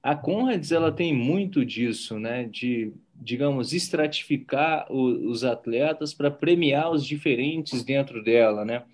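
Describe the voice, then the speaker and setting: A man from Brazil hosting a casual interview, talking in an animated, chatty way. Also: medium pitch, unhurried, few pauses. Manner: animated, chatty, frequent "né?" and slang.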